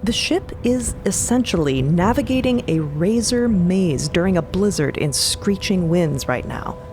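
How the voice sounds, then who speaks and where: A woman's voice: lowish voice, expressive, measured pace, darkish tone, a little hiss or hum. A woman narrating a fiction podcast in the present tense, evocative, descriptive and confiding.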